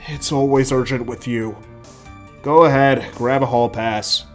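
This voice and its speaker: A man's voice: medium pitch, fairly even intonation, measured pace, natural voice. Man acting as tired male schoolteacher, earnest, admonishing, storybook reading, music behind. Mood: exasperated. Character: weary, concerned male math teacher.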